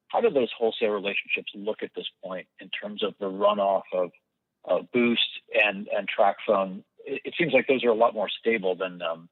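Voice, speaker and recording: A man's voice: fairly low pitch, dry recording. Phone-line sound, dry, man, analyst caller, polite, tentative, casual professional questioning. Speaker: financial analyst asking questions. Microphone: telephone. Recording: narrow, dry telephone line.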